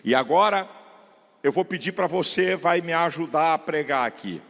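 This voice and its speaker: A middle-aged pastor preaching an emphatic sermon, swinging between shouted peaks and low asides and drawing out key words. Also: male voice, normal speed, vocal fry. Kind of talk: fiery sermon. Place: large church. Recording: long hall reverb in a church.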